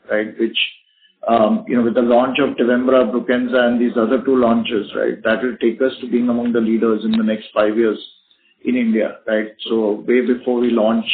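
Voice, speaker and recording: Exec guy on an earnings call, phone sound, halting, keeps adding right? after stuff. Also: mid-range voice. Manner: halting, often tags statements with "right?". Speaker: company executive answering questions. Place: conference call. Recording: narrowband phone conference line.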